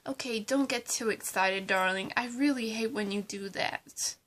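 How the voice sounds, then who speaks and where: A woman voicing a scheming female supervillain in a fan roleplay, talking slowly and condescendingly and dropping into menacing whispers. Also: medium pitch, a bit bright, a little hiss or hum, natural voice. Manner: slow, condescending, drops into menacing whispers, calls everyone darling.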